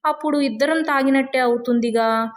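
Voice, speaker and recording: A woman voicing a selfless young male elephant in a children's story, gently insistent and caring. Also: high-pitched, a little fast, pitched above the performer's own voice, natural voice. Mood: caring, persuasive.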